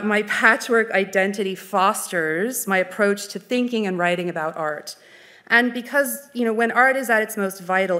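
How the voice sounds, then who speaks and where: A Canadian woman in her forties gives an earnest, well-spoken lecture on art history. She talks into a lectern mic at an even, middling pitch and chooses her words with care. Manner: measured, articulate, earnest. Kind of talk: formal lecture. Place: dark stage, indoors.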